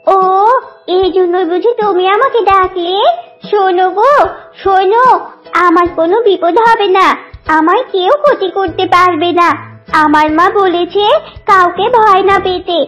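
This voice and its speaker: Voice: very high-pitched, measured pace, bright, forceful tone, exaggerated voice. A performer voicing a fearless, cheeky little duckling child in a children's cartoon, with music behind. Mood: cheeky, confident.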